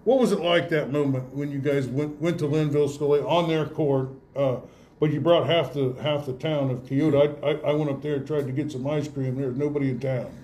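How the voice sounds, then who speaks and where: A man hosting a casual awards interview in a folksy, rambling, halting way. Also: a little high, steady tone, mellow. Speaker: radio host interviewing high school athletes. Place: indoor room with guests present.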